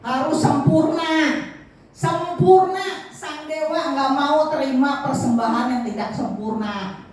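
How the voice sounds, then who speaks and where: A woman voicing a stern tribal chief in a sermon story, giving gruff, commanding orders. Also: high voice, takes it slowly, darkish tone, a little hiss or hum. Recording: echoey church hall from far off.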